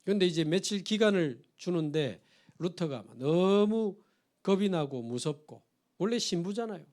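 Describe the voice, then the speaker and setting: A man's voice: sits high, animated, normal speed, darkish tone. A middle-aged man, a pastor preaching a sermon in church, telling stories with acted quotes and building to emphatic appeals. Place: church sanctuary.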